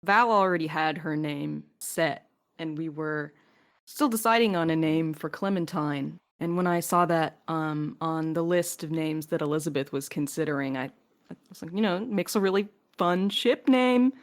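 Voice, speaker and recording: A woman's voice: deep voice, measured pace. A woman co-hosting a podcast in a casual question-and-answer chat. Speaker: podcast co-host and writer.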